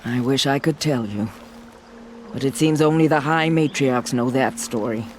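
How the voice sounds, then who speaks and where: An actor playing a solemn, dignified tribal war chief in a video game, speaking in a measured way. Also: male voice, medium pitch, background noise, natural voice. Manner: measured and grave. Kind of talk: game cutscene acting.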